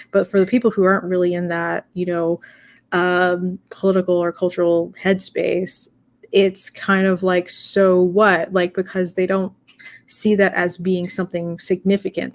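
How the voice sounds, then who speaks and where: A woman's voice: on the low side, level tone, moderate pace. A young woman in casual discussion, talking in a rambling way with many fillers and restarts.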